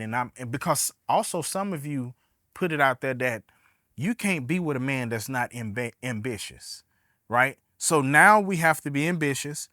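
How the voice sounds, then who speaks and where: A man with a high, forceful voice and a Southern Black American accent hosts a casual podcast. He speaks folksily and directly to his audience, putting questions to them as he goes. The recording is dry and close, with music in it. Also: no room sound. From Alabama, US. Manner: folksy, direct address with rhetorical questions and endearments like "baby". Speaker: podcast host.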